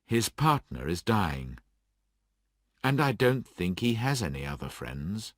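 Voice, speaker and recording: A man's voice: deep voice, sing-song, slow, dry recording, clean studio sound, full character voice. A man voicing a friendly middle-aged husband in plain conversation.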